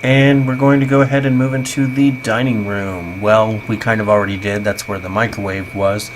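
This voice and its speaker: Tinny, low-pitched man's voice-over, noisy background. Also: fairly even intonation, normal speed. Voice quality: tinny, like talking through a tin can. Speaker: vlogger. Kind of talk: casual voice-over narration of housecleaning. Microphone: basic home microphone, voice-over. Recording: tinny home voice-over, clear background noise.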